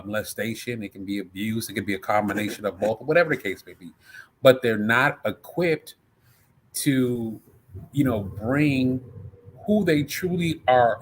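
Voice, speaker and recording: A man's voice: medium pitch, a bit bright. A man co-hosting a podcast who talks earnestly in a casual way, often restarting his sentences. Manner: earnest, halting, repeats words. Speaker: podcast co-host.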